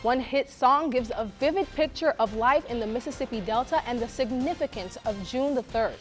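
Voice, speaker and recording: A woman's voice: on the high side, a little fast, soft background music. A woman reading scripted local news as an anchor at a studio desk.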